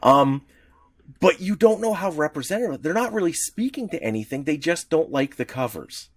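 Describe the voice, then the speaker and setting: A man co-hosting a podcast in casual chat, rambling and animated, with many restarts. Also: a little high, normal speed. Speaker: podcast co-host.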